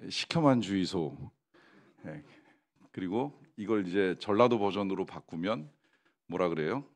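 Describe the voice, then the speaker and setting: A man's voice: low-pitched, expressive, moderate pace. A man preaching a Sunday sermon in a church, talking conversationally with many fillers and asking the congregation questions. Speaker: pastor. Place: church sanctuary.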